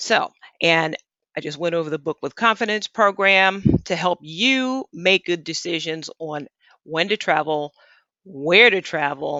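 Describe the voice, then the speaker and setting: A woman with an ordinary speaking voice, fairly low in pitch, fairly slow, with ordinary pitch variation. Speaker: travel agent. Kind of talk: live stream sales pitch. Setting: live stream.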